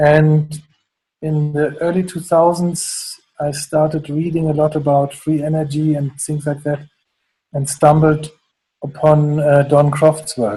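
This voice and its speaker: Speaking at a fairly slow pace in a strong German accent, a man with a fairly high pitch sounds somewhat breathy, with a dark, mellow tone and monotone, flat intonation. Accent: thick German. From Germany. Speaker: orgonite maker, former architect. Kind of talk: interview. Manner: hesitant, many fillers.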